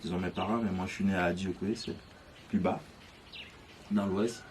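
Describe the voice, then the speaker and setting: A man, lowish in pitch, recounts his own story. He halts and restarts often, searching for words. Faint birdsong stays behind him outdoors. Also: fairly even intonation, darkish tone, slight background noise. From Côte d'Ivoire. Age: 30s. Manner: hesitant, halting, many restarts. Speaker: interviewee. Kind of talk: personal testimony.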